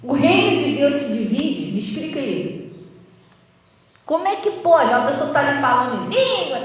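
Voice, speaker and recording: High-voiced Brazilian woman pastor, echoey hall. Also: normal speed. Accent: Brazilian Portuguese. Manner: animated storytelling, acting out quoted voices, laughing often. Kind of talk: sermon with storytelling. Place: church hall. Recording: echoey church hall, voice from a distance.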